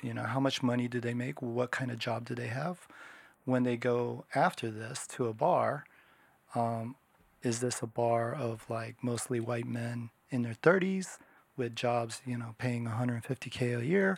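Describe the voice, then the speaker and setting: A man speaks at a moderate pace and medium pitch with ordinary pitch variation. He has a normal speaking voice. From Washington State, US. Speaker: security and intelligence consultant, company founder. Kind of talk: interview.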